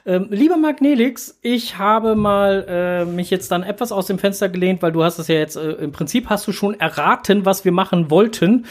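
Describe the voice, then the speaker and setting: A man's voice: high-pitched, normal speed, hardly any pauses. A man hosting a casual podcast, rambling with fillers and restarts. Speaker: podcast host.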